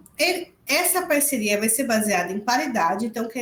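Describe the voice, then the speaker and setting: At a moderate pace, a woman talks in a fairly high pitch with an ordinary speaking voice. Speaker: education professor, lecturer. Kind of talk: online lecture. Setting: video call webinar.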